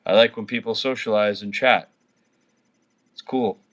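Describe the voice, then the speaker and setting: Speaking a little slowly with fairly even intonation, a Canadian man in his thirties uses a low, fairly bright voice. He's drunk and slurring, rambling and cursing nonstop as he chats casually with livestream viewers.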